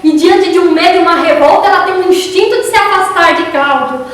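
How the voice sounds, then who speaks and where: A woman's voice: extremely high pitch, fast. A woman giving a spiritist lecture, animatedly retelling a story. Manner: animated retelling with acted quotes. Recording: echoey hall from far off.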